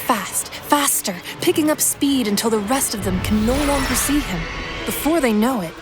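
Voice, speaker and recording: A woman's voice: on the high side, normal speed. A woman delivering scripted narration of an action story in an audio fiction podcast. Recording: loud music behind the voice.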